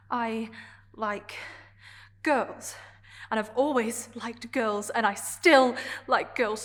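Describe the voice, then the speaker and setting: In a mid-range voice, a woman performs a dramatic stage monologue, playing a gay woman who is both vulnerable and defiant as she confronts her partner, speaking in halting, emotionally charged phrases.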